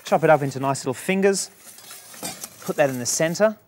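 A man's voice: on the high side, normal speed, a little hiss or hum. A man with an Australian accent, a chef explaining a dish step by step on a studio kitchen set. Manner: relaxed, explanatory, chatty. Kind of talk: cooking demonstration.

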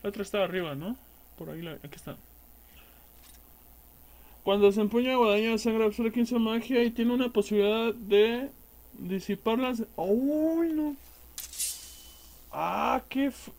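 A man's voice: high voice, normal speed, pauses often, a little mellow. A man with a Mexican accent giving casual, crude, slang-heavy commentary while playing a game. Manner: crude slangy banter, swearing at enemies. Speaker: gameplay streamer. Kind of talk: casual let's-play commentary.

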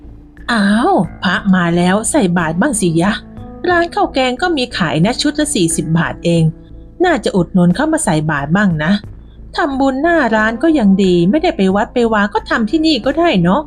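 A woman's voice: a little high, very animated, normal speed, soft background music, pitched above the performer's own voice. A woman voicing a pushy, nagging older female market vendor who scolds others.

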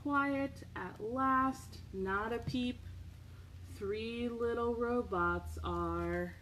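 A woman with a high voice hosts storytime for little children. She reads in an expressive sing-song and takes her time. It is a home recording with faint background noise. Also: very slow. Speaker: children's librarian, storytime host. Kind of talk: children's storytime read-aloud and chat. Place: indoors, home living room.

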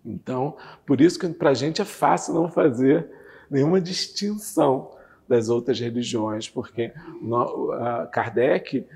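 A man in his fifties, a guest on a TV interview, calmly explaining a religious doctrine with lively hand gestures, on a lapel mic in a curtained studio. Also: medium pitch, measured pace, gravelly, husky, long reverb tail. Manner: animated, gestures with both hands while talking. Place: TV studio with red curtain backdrop.

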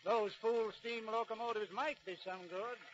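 A man's voice: high voice, fairly even intonation, normal speed, a little hiss or hum, close to an everyday voice. An actor playing a cautious, homespun wagon-driving father in a drawling, hesitant 1940s radio drama style. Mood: wary, opinionated. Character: folksy cautious covered-wagon father heading west. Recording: muffled 1940s radio recording.

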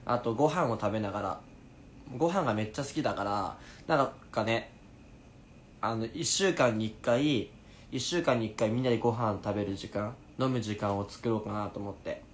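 A man in his twenties chatting casually on a livestream in an animated way, answering viewers as he goes. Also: on the low side, normal speed. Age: 20s. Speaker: stage actor livestreaming to fans. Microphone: phone at arm's length. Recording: noisy room ambience, phone livestream.

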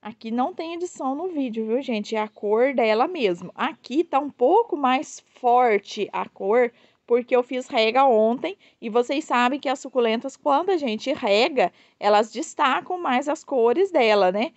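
A Brazilian succulent grower and seller with a southern Minas Gerais Portuguese accent gushes over her plants in a casual showcase, speaking directly and often to her followers. Her voice is high-pitched and unhurried. The recording is dry with no room sound, and the highs are cut off.

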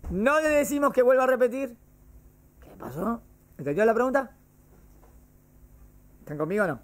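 A man's voice: very high voice, lively intonation, normal speed. Male teacher quizzing his class. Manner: explains by repeating cases and quizzing students. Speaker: religion teacher. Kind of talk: classroom lesson on Jewish law. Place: classroom with students.

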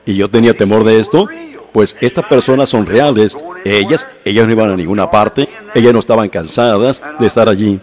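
Man, lowish voice, sermon, slow measured storytelling, repeats and restarts words. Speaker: preacher. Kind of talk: sermon in Spanish translation.

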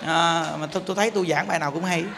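A man's voice: a little high, fairly even intonation, very fast, very noisy. A man with a Southern Vietnamese accent giving a Buddhist sermon, emphatic and playful, often putting rhetorical questions to his listeners. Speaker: Buddhist teacher. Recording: long hall reverb.

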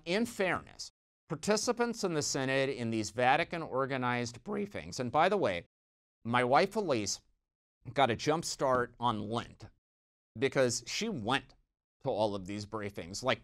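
Wry man giving news commentary. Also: medium pitch. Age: middle-aged. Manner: wry, conversational, lively emphasis with dry asides. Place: small dark studio set, indoors. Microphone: lapel mic.

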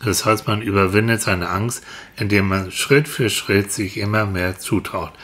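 A man's voice: on the low side, measured pace, fairly bright tone. A man talking patiently and encouragingly, explaining things as a mentor to a child character in a children's audio series. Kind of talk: improvised, reassuring talk to a child character.

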